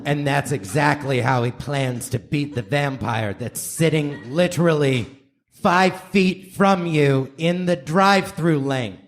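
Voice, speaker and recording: A man's voice: on the high side, slow pace. A man narrating and announcing a comedy radio play theatrically on a live stage. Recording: noisy live stage recording.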